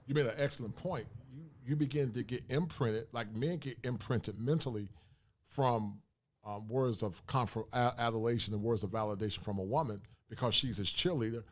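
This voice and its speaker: A man's voice: medium pitch, a little fast. A man in his forties hosting a podcast, talking casually and joking with his co-hosts, often laughing. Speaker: podcast host.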